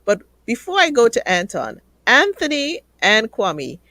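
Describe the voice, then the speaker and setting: A woman hosting a live online talk show, warm and playful with her guests, heard over a video call. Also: a little high, wildly swooping pitch, a little slow, dry recording. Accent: Trinidadian. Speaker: host.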